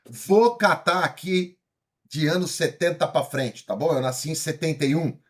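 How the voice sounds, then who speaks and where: A man in his fifties from São Paulo with a paulistano accent, giving an energetic motivational lecture and asking his audience questions. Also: a little high, moderate pace. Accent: Paulistano Brazilian Portuguese. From São Paulo, Brazil. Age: 50s. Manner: energetic, asks the audience questions, frequent tag questions. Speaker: speaker.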